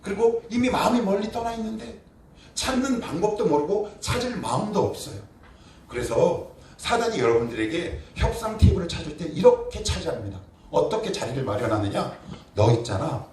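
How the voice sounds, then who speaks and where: A male pastor preaching a sermon emphatically, posing rhetorical questions and answering them himself, moving between quiet and forceful delivery. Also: sits high, sing-song, brisk. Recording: roomy echo, distant mic, faint noise.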